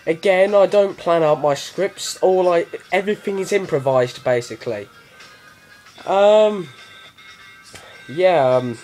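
A young man with an animated, rambling manner, improvising a casual vlog from his bed. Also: high voice, low-quality recording. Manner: rambling, animated, with many ums and laughs. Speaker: vlogger. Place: bedroom.

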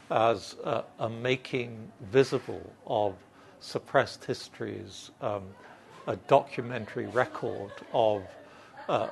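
A middle-aged man, a literary editor, giving a slow, considered critical assessment in a bookshop. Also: on the low side, creaky, a little hiss or hum. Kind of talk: critical commentary. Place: bookshop with shelves behind.

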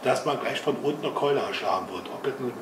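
A man's voice: medium pitch, expressive, fast talker. An older man from Berlin giving an opinionated, colloquial comment from the audience at a panel discussion. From Berlin, Germany. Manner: emphatic, colloquial. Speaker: audience member. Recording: echoey room, voice from far off, noisy.

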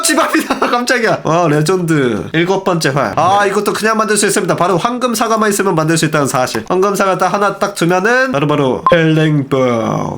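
A young man giving excited, playful gaming commentary, often shouting and laughing. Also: a little high, a little hiss or hum. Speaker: gaming YouTuber.

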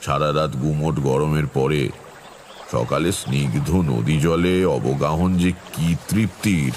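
An actor playing a brooding tantrik storyteller, narrating his eerie past in a measured, reflective horror audio drama. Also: rumbling low, darkish tone, slight background noise.

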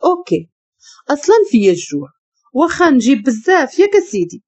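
A woman's voice: high voice, very animated, fast talker, a little mellow. A woman doing a meek, timid homeless girl. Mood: nervous. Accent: Moroccan Arabic. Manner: meek, nervous and apologetic. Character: timid young homeless woman turned servant.

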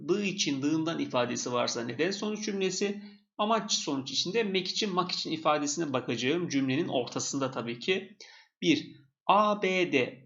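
Gravelly-voiced male teacher, steady and repetitive, talking through test questions, dull lo-fi sound. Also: a little high. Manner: explains step by step, repeats key points. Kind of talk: exam question walkthrough.

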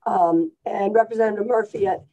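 A woman, a primary care clinician speaking earnestly at a committee meeting over a video call, her voice hoarse and sometimes dropping to a whisper. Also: medium pitch, a little fast, warm tone, highs cut off. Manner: earnest, restarts phrases, sometimes drops to a whisper. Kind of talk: remote committee meeting remarks. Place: home office with bookshelves. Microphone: laptop video call.

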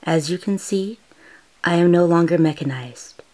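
A woman's voice: on the low side, moderate pace, darkish tone, close to an everyday voice. A woman voicing an imperious, coldly menacing mother queen with controlled, theatrical delivery, as an anime villain. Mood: coldly soothing. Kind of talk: dramatic anime villain voice demo.

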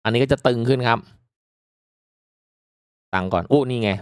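A man giving casual, reactive commentary as he hosts a mobile game playthrough, chatting politely to viewers with excitable exclamations. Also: medium pitch, moderate pace, smooth, no room sound, studio quality. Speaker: gaming video host.

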